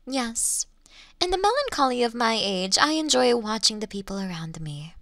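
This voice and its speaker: A woman playing an ancient, elegant monster in a Victorian fantasy audio drama, teasing her hunter in archaic, formal phrases with lingering pauses. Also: on the high side, big pitch swings, a bit bright, dry recording, studio quality. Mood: wistful, amused. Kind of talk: slow theatrical roleplay monologue in Victorian fantasy audio drama.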